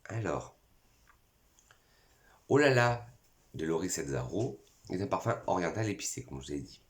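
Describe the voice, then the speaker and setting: A French man presenting perfume bottles in a casual vlog, a little hoarse from a cold, eagerly listing scent notes one by one. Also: sits low, lively intonation, normal speed. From France. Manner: enthusiastic, lists notes one by one. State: has a cold, voice cracking. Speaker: perfume YouTuber.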